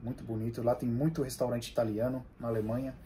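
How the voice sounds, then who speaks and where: A young adult Brazilian man speaking Brazilian Portuguese in casual conversation, telling of his work in a halting way and often restarting his phrases. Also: mid-range voice, flat delivery, dark tone, slight background noise. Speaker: bricklayer sharing experience. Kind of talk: casual chat.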